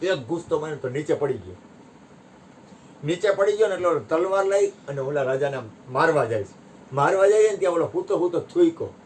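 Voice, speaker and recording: A man giving a satsang discourse, telling parables with sharp rises and drops in his voice. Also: on the high side, a little fast, slight background noise. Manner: animated storytelling, voice rising and dropping sharply. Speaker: spiritual teacher.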